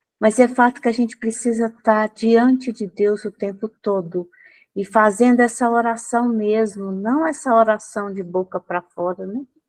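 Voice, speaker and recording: Over background music, a woman speaks at a fairly slow pace and a fairly high pitch with fairly even intonation, the sound dry and close with no echo. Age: 60s. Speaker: participant in online prayer meeting. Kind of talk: testimony. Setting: video call.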